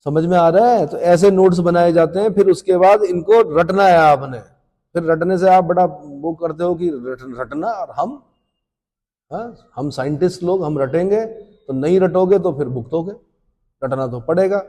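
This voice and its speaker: A man teaching an exam coaching class, firing off quiz questions and answering them himself, brisk and scolding. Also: sits high, mellow, big-room sound. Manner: drills students with questions and answers. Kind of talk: rapid-fire exam coaching lecture.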